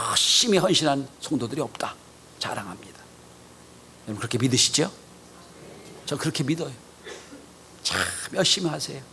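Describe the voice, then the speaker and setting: A male pastor preaching a Sunday sermon in a church, acting out quoted voices and dropping to soft whispers for emphasis. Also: a little high, a little hiss or hum. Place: church sanctuary.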